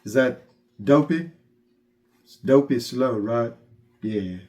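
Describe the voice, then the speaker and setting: A man's voice: mid-range voice, slow, darkish tone, natural voice. A man voicing a mild, helpful, slightly dopey monkey puppet with a Southern US accent. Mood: earnest.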